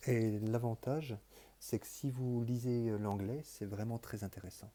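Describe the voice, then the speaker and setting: A man with a very dark, mellow voice talks through his book collection in an improvised vlog monologue. He wanders and hesitates, stacking repeated words before he lands a thought. His tone stays earnest and quietly enthusiastic. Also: medium pitch, steady tone, a little slow. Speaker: vlogger presenting his books.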